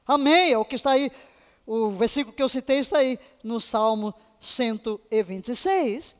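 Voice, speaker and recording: A woman Bible teacher giving a fervent, emotional lesson on intercession, now and then breaking into soft laughs. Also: on the high side, moderate pace. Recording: long hall reverb.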